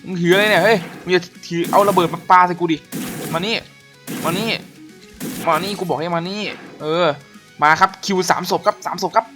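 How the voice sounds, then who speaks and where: A man giving casual gameplay commentary as a gaming YouTuber, excitable and profane, often shouting at the enemies on screen. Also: sits high, brisk. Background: game music.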